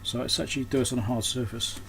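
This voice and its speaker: A man's voice: medium pitch, fairly even intonation, fast talker. A man giving casual, unscripted hands-on repair commentary, thinking aloud as he works. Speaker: host of an electronics repair channel. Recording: clearly noisy background.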